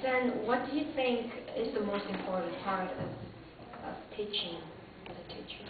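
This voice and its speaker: A woman interviewing a job applicant, asking questions in a halting way and rephrasing them. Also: mid-range voice. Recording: distant echoey lo-fi recording with hiss.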